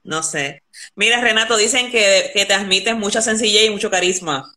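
A woman's voice: mid-range voice, normal speed. A middle-aged woman co-hosting a live stream over a phone video call, passing on viewers' comments and adding blessings. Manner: warm, blessing-filled remarks, relays viewer comments. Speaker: co-host. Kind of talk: casual live-stream interview.

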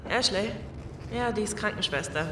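A woman's voice: medium pitch, normal speed, distant mic, natural voice. An actress playing a haughty, demanding, vindictive young woman, snippy and contemptuous, in an audio drama. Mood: scornful. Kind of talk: German audio drama acting. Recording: echoey, off-mic, clear background noise.

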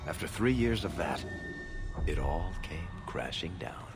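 Grave male storyteller for game narration, extremely low, deliberate, strong score behind. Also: lively intonation. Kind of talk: dramatic scripted game narration. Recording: game audio with loud music.

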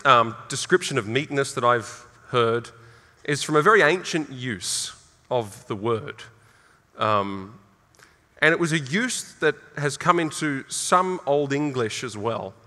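A middle-aged Australian man preaching a sermon, earnest and emphatic, jumping higher when he quotes scripture. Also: sharp tone. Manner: earnest, emphatic, with sudden rises for quoted lines. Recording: reverberant hall.

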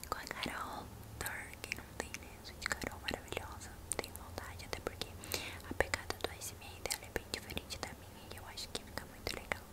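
A woman's voice: a little fast, rough recording. Young Brazilian woman in an intimate whisper. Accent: Brazilian, São Paulo state. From São Paulo state, Brazil. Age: young adult. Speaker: ASMR video creator and host. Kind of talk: ASMR, answering viewers' questions casually. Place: small bedroom indoors. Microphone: large microphone right at the mouth.

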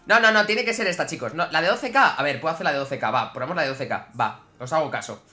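A man with a Spain Spanish accent giving excitable gameplay commentary to his viewers, swinging from grumbling to yelling. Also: fairly high pitch, fast. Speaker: gaming YouTuber.

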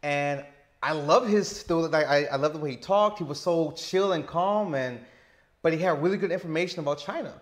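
A man in his thirties with a stutter, talking slowly and deliberately as an interview guest on a lapel mic indoors. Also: fairly high pitch. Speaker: interview guest, teacher living abroad. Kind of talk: casual interview. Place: indoor lounge with sofa.

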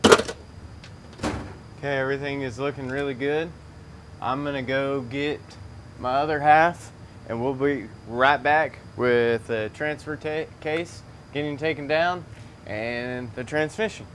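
Male mechanic, medium pitch, casual and folksy hands-on vlog delivery, some shop noise behind. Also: steady tone, slow pace, a bit bright. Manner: folksy, chatty. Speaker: transmission mechanic presenting a video. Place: auto repair garage, under a lifted truck. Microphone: camera a few meters away. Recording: clear garage noise behind.

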